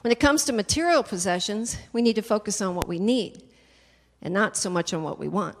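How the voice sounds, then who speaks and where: With a handheld mic on a conference stage, an older woman delivers a motivational keynote punchily and emphatically to the crowd. She speaks a little fast at medium pitch, and the roomy hall adds long reverb.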